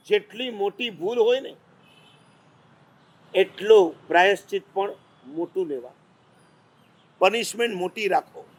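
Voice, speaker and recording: A man preaching a sermon, telling lively stories and teasing the audience with questions. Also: sits high, measured pace, pauses often. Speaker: Jain monk preacher.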